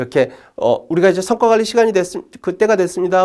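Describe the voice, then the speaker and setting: Talking very fast, a man uses a high pitch. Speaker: university evaluation center head. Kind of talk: conference presentation. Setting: online forum recording.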